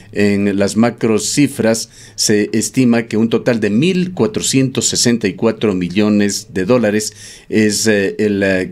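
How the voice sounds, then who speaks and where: A man hosting a radio news program, interviewing a guest and reading a measured report with occasional fillers. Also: lowish voice, a little mellow. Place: radio studio.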